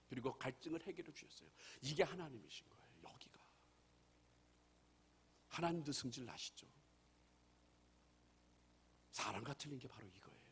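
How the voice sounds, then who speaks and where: A man's voice: a little high, fairly bright tone, breathy edge. A male pastor preaching a sermon, emphatic and full of rhetorical questions to the congregation.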